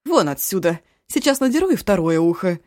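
A woman voicing a weary, hot-tempered grown woman who snaps shrilly, then softens. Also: medium pitch, expressive, moderate pace, pitched above the performer's own voice. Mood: angry.

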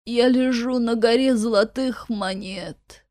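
A woman voicing a scheming, limbless male sorcerer trapped in a cellar, speaking slowly and wheedling, then hissing with spite in an audiobook. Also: fairly high pitch, a little mellow, no room sound, studio quality. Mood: pleading.

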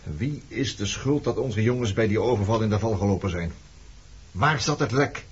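An actor playing a bitter, accusing former resistance man in a Dutch radio drama, sardonic and deliberate as he probes. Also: lowish voice, slightly rough. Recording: dull lo-fi radio play recording.

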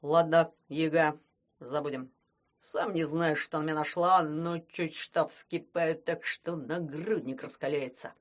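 A man's voice: a little high, steady tone, unhurried, natural voice. A man voicing a greedy, cowardly immortal sorcerer who grumbles and threatens. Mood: grumbling. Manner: grumbling, menacing.

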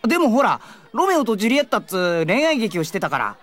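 A male voice actor playing a flustered, lovesick high school boy in a Japanese anime-style audio drama, excitable and full of self-doubt. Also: fast. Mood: troubled, confused. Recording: background music under the voice.

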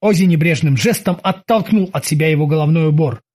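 An expressive audiobook narrator reading a chapter aloud. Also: medium pitch, fairly quick.

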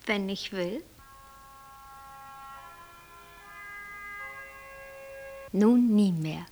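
An actress playing a capricious, self-absorbed white angel who creates worlds, airy, flippant and lecturing, in a German radio play. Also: female voice, mid-range voice, slow, mellow, a little hiss or hum, low-quality recording. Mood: flippant, cold.

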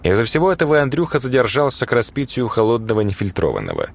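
A man's voice: mid-range voice, wildly swooping pitch, quick pace, vocal fry. A man reading a first-person horror story aloud in a dry, sardonic, slangy way. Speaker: audiobook narrator.

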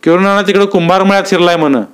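A man's voice: high-pitched, fairly even intonation, racing, smooth, pitched above the performer's own voice, natural voice. A man voicing anxious rural villagers with rustic, worried speech.

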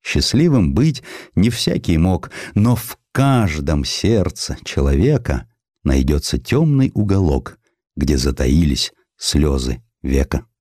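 A man's voice: very deep voice, big pitch swings, slow, darkish tone, no room sound, studio quality, pitched below the performer's own voice, exaggerated voice. A man voicing a witty, bitter poet who recites epigrams in a declamatory, sardonic way for a literary audiobook. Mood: sorrowful. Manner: declamatory, sardonic, pointed phrasing.

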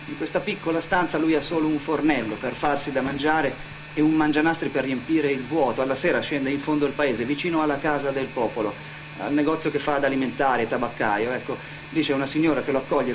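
A man's voice: medium pitch, fairly even intonation, fairly quick, noisy background. A man working as an actor-narrator, telling a story in dramatic theatre style. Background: music under the voice.

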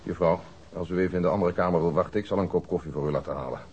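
An actor playing a patient, courteous police detective in a radio drama, calm, polite and coaxing. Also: male voice, sits low, very fast. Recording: muffled, noisy old radio drama recording.

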